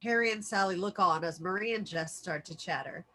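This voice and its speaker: A woman's voice: fairly low pitch, fairly quick, bright, forceful tone. A woman narrating scripted stage directions for a table read.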